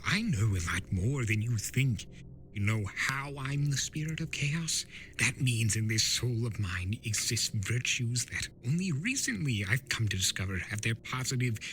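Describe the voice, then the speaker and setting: A man's voice: medium pitch, bright, forceful tone, a little hiss or hum. Theatrical chaos spirit, scolding, acted by a man. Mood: knowing, lecturing. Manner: theatrical, emphatic, drawn-out words. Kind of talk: dramatic fan-fiction reading.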